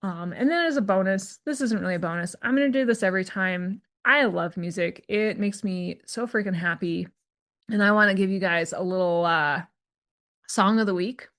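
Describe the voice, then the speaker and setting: A woman's voice: medium pitch, normal speed, fairly bright tone. A woman hosting her own solo career podcast, talking in a chatty, candid way with many asides and fillers. She calls herself a bit introverted. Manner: self-described introvert. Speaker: podcast host and career coach.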